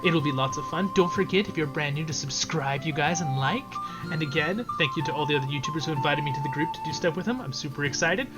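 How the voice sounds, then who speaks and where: A man's voice: on the high side, quick pace, over loud music. Upbeat man hosting a game video. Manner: upbeat, chatty, drifts into softer asides. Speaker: YouTube channel host. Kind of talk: casual gameplay commentary.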